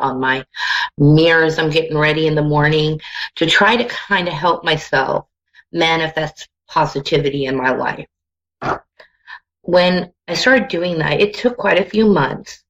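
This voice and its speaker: Low-voiced woman giving a psychic hotline reading. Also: lo-fi sound. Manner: soothing counselling, addressing caller with endearments. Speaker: radio psychic taking a caller.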